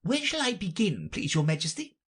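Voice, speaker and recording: High-pitched white rabbit, fussy, timid, deferential, hurried, storybook character, acted by a narrator. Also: very animated. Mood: anxious, deferential.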